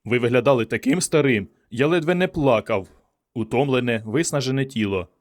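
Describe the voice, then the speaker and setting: A man voicing an earnest, excitable young doctor who speaks with fervent conviction. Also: medium pitch, brisk, natural voice. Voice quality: fervent, emphatic.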